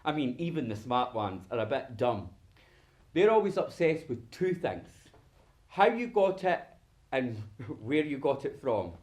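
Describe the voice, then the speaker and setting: A man's voice: medium pitch, big pitch swings, measured pace, darkish tone. An actor playing a wry, flamboyant gay man in a theatrical solo monologue, dramatic and sardonic, slipping into mimicked dialogue.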